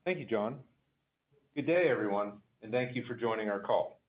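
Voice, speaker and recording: A man's voice: fairly low pitch, expressive, normal speed. A man reading scripted earnings call remarks as a chief executive, in a stiff, formal manner. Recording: tinny narrow phone line.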